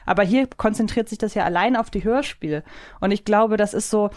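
A woman's voice: medium pitch, a little fast, a little mellow. A woman hosting a podcast, talking casually and at length in a reflective, conversational way. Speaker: podcast host.

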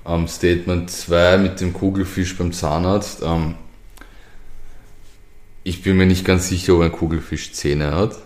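Brief: young male podcast co-host, low voice, wry humor, roomy echo. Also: level tone, a little mellow. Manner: dry, teasing, quick to laugh. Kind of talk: casual chat.

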